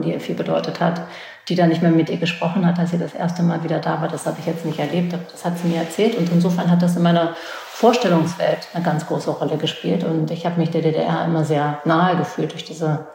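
A woman's voice: deep voice, creaky, warm tone, roomy sound, rough recording. A woman in her forties from Berlin, an interview guest and author, telling personal memories thoughtfully and often restarting her sentences. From West Berlin, Germany. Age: 40s. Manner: thoughtful, searching for words, frequent restarts. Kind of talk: reflective personal storytelling.

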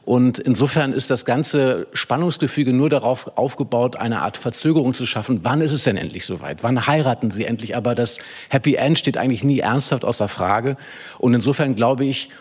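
A man on a radio panel talking about a novel in an analytical, steady way. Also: mid-range voice, a little fast, slightly rough. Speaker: literary critic panelist.

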